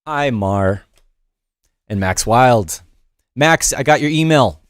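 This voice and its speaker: A middle-aged man in his New York home studio hosts a casual livestream production tutorial, greeting viewers in the chat with plenty of fillers and restarts. His medium-pitched voice is expressive and clean, he takes it slowly, and the recording is dry.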